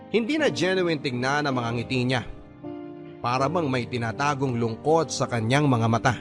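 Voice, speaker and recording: A man reading a first-person love story as scripted narration in a radio drama style. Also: medium pitch. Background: music under the voice.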